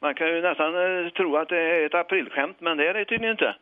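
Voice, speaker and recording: A man calling in to a radio show, speaking hesitantly with many fillers and pauses. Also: a little high, dry recording. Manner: hesitant, halting, full of fillers. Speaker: caller. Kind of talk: phone-in chat. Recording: tinny telephone line.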